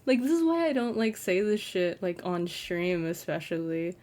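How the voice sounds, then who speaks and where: A young trans man who creates content chats casually in a late-night vlog from his bedroom, rambling self-consciously with plenty of "like." He has a high, fairly flat, feminine-sounding voice and keeps a moderate pace.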